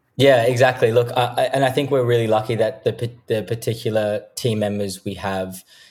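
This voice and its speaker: Delivered at a fairly quick pace, a man's speech in an Australian accent keeps a fairly even intonation. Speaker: university student, social enterprise team member. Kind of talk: interview. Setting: video call.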